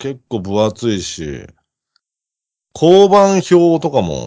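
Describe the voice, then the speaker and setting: A man is speaking. His pitch swings very widely. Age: 30s. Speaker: podcast co-host, guest this week. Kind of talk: casual chat.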